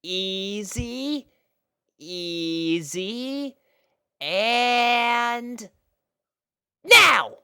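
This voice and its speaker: A woman's voice: fairly high pitch, lively intonation, drawn-out words, pauses often, sharp tone, clean tone, dry recording, clean studio sound, voice pushed up, full character voice. A woman voicing a plucky young filly pony, earnest and eager, in a story reading.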